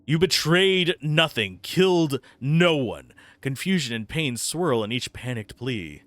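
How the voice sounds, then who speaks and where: A man's voice: medium pitch, lively intonation, a little slow, fairly bright tone, no echo. A man streaming a game, giving live commentary and reading game text aloud into a close microphone. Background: faint game music.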